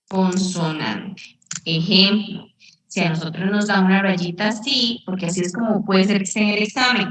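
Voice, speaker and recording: A woman's voice: mid-range voice, fairly bright tone, slight background noise. A female English teacher, patiently explaining a lesson and quizzing her class. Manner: patient, repeats and asks the class questions. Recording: echoey room, distant mic.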